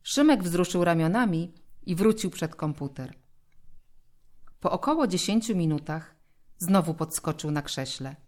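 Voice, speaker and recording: A woman narrating a children's story in a calm, clear storytelling manner. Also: fairly low pitch, a little slow.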